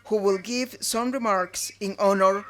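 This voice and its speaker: Slow-speaking woman moderating a dinner. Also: mid-range voice, steady tone, loud music behind the voice. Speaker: event moderator. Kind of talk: formal introduction.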